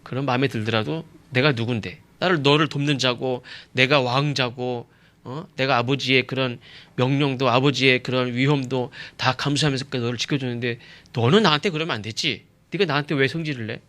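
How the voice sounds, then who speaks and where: A man's voice: mid-range voice, steady tone, brisk, fairly bright tone, lightly acted. A man voicing an indignant young prince, a loyal friend who feels wronged and complains with rhetorical questions. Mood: indignant, aggrieved.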